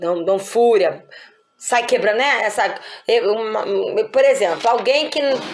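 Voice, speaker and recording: With a fairly high pitch and ordinary pitch variation, a woman talks at a fairly slow pace, leaving long, frequent pauses, amid audible room echo. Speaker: pastor. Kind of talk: Bible study teaching. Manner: loud, sounds like arguing.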